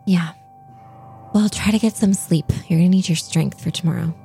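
Calm low-voiced woman player. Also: normal speed, creaky, faint music behind. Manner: calm and reassuring. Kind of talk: in-character role-play.

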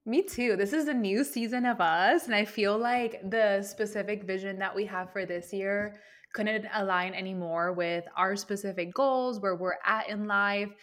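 A woman's voice: medium pitch, moderate pace, a bit bright. Chatty woman podcast co-host, Spanish native. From Venezuela. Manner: upbeat, chatty. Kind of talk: casual chat.

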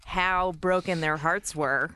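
A woman contestant on a comedy game show, thinking aloud as she improvises. Her voice is on the low side and she talks slowly, with pauses and fillers. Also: fairly even intonation, sharp tone, clean tone.

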